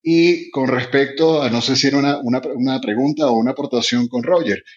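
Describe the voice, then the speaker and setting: A man's voice: medium pitch, a little fast. A Venezuelan man, a radio broadcaster and podcaster, explains his ideas eagerly and at length in an online panel. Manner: enthusiastic, long winding explanations. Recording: muffled lo-fi audio.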